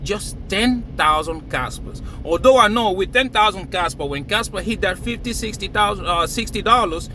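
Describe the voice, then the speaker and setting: A man's voice: high-pitched, normal speed, few pauses, bright, forceful tone, a little hiss or hum. A man from Cameroon, raised in Nigeria, talking emphatically to camera and laughing between phrases. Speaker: crypto vlogger. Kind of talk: casual hype monologue to camera.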